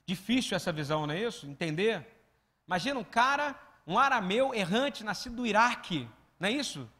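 A man preaching a sermon, asking the congregation question after question and acting out the voices he quotes, swinging between loud and soft. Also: high-pitched, big pitch swings, brisk. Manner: call-and-response preaching with many rhetorical questions. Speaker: pastor. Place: church hall. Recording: long hall reverb.

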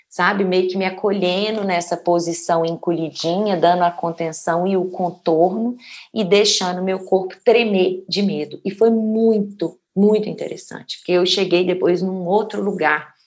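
An adult woman reflects aloud on things she has lived through. Her talk flows on, warm in intent and often checking back with the listener. Her voice sits at an ordinary middle pitch for a woman. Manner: earnest, flowing, with frequent "né" tags. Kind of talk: reflective personal sharing.

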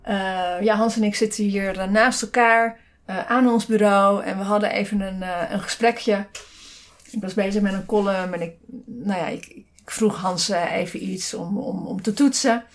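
A woman's voice: medium pitch, fairly even intonation, moderate pace. A woman co-hosting a casual podcast from a desk beside her partner, telling a story with many fillers and restarts. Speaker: podcast co-host.

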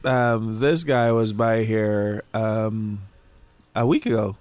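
Relaxed Jamaican-born man, dry close sound. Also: on the low side, smooth, no echo. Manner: relaxed, with frequent "um" pauses. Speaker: museum founder, guest. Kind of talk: casual conversation.

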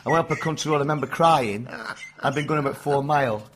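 A man's voice: a little high, fast, background noise. A man, a comedian guest telling stories in casual chat and laughing through his anecdotes. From northern England. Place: venue abroad after a gig.

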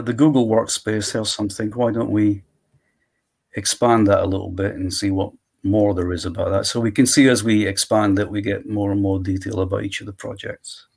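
A man walking through his software tool in a live screen-share demo, thinking aloud step by step. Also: on the low side, vocal fry. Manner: walks through steps aloud, thinking as he goes.

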